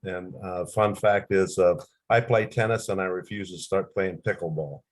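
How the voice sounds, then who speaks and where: An older man from central Illinois introducing himself on a video call with dry, halting humor. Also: low voice, steady tone.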